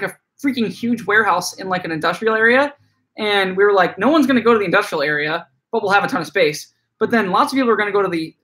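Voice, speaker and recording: A man's voice: sits high, bright, forceful tone. A man in his late twenties, a bike shop owner, chatting loosely on a live stream and reading out viewer comments, with many fillers and restarts. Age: 20s.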